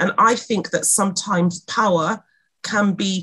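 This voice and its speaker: With an ordinary speaking voice, a woman talks at medium pitch with ordinary pitch variation. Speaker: eye surgeon. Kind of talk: audience question. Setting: video call.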